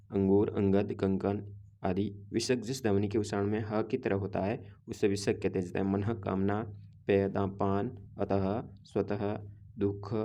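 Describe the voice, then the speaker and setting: A man's voice: fairly low pitch, dark tone. A man teaching a grammar lesson, explaining steadily and reciting letters one by one.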